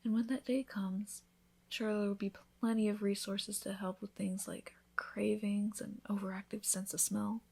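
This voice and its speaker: A woman playing a devoted newlywed vampire wife in an intimate ASMR roleplay, speaking softly, often in a whisper, with an affectionate, reassuring manner. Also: medium pitch, level tone, normal speed. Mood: hopeful, tender. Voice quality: soft, breathy, often whispered.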